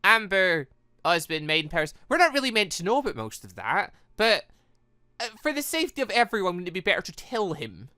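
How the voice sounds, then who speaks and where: A video game let's-player giving rambling, excitable, casual commentary while playing. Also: medium pitch, a little fast, dry recording, clean studio sound. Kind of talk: casual gameplay commentary and read-aloud.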